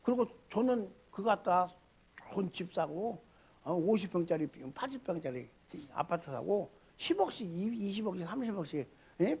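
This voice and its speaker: Preaching in a casual, conversational way, this middle-aged male pastor swings between loud outbursts and low mutters while posing rhetorical questions to the congregation. His voice carries a breathy edge.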